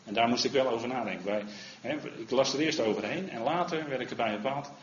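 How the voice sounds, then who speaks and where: A man preaching a sermon in an earnest manner, often asking "hè?" and growing louder when he quotes the Lord. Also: medium pitch, fast talker. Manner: earnest, rises in volume when quoting the Lord, frequent "hè?". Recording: roomy, slightly dull recording.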